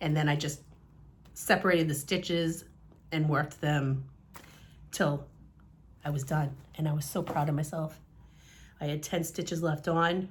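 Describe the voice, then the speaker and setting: With a very deep, low pitch and ordinary pitch variation, a woman speaks in a somewhat breathy voice, leaving long, frequent pauses. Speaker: crafting vlogger. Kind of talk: casual show-and-tell vlog. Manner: animated.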